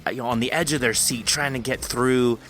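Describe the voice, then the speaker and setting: A man's voice: medium pitch, steady tone, fairly quick, a bit bright, soft background music. A man hosting a conversational podcast interview in an effusive, rambling way. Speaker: podcast host.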